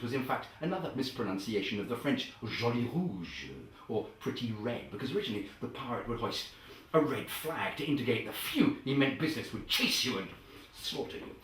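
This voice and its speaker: A man playing a pompous, self-important acting coach who over-enunciates grandly and breaks into sudden loud outbursts. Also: fairly low pitch. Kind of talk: comedy character sketch. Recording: very echoey, far from the mic.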